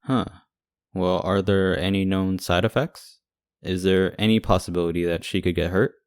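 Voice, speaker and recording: A man's voice: sits low, fairly even intonation, moderate pace, clean tone, no room sound, studio quality, natural voice. A man playing a devoted, protective boyfriend in an ASMR audio roleplay, talking casually and conversationally. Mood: wary, concerned.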